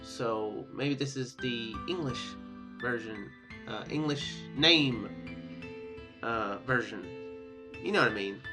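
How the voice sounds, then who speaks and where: A man's voice: mid-range voice, takes it slowly, pauses often, over music. A man hosting a gaming series in a casual style, hesitant and rambling, talking and reading story text aloud. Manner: hesitant, rambling, self-correcting. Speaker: host of a Let's Play gaming series.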